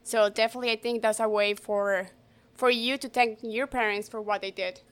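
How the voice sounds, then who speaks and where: A woman in her thirties, from Colombia, speaks English. Her voice is fairly high and smooth. She talks softly and haltingly as a guest, with small slips in her English. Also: fairly even intonation. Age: 30s. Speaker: guest, real estate entrepreneur. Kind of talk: casual interview.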